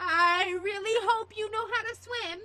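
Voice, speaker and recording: Putting on a squeaky character voice, a woman talks in an extremely high pitch with an excited tone at a fairly slow pace. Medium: read story. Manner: excited, fearful.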